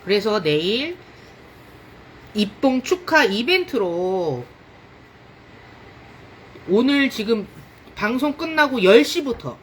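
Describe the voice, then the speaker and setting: Female livestream host, upbeat and announcing, with a lively melody. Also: fairly high pitch, takes it slowly, long pauses, slight background noise, low-quality recording. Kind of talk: casual livestream hosting.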